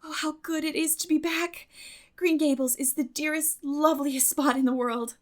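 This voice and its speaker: An earnest teenage girl from a storybook, acted out by a woman narrator. Her voice sits high and pushes forward emphatically. She is talkative and dramatic, gushing out her feelings with great expression. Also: fairly even intonation, moderate pace, close to an everyday voice. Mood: gushing, fretful.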